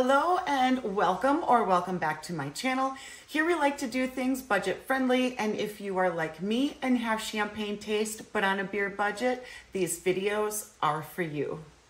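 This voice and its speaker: Audible room echo surrounds a woman with an American accent. She speaks at a moderate pace with a fairly high pitch and lively intonation. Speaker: lifestyle YouTuber, haul reviewer. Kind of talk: casual product haul vlog. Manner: chatty, animated.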